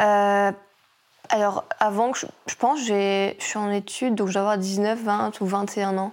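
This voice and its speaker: Medium-pitched woman's voice in a flat monotone at a fairly slow pace. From Belgium, Italian immigrant family. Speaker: YouTuber and content creator. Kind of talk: casual interview.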